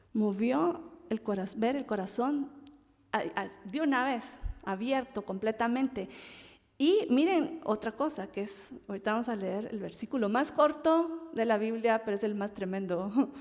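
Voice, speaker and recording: A woman leads a Bible study in an animated, expressive way, acting out the voices of the people she quotes. Her voice sits a little high. A long reverb trails behind each phrase. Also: unhurried. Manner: animated, acts out quoted voices, laughs often.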